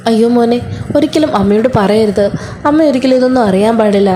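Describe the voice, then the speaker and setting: A woman voicing a gentle, self-sacrificing young elder sister who soothes and begs her brother while retelling a serial. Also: fairly high pitch, fast talker, slight background noise, natural voice. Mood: pleading.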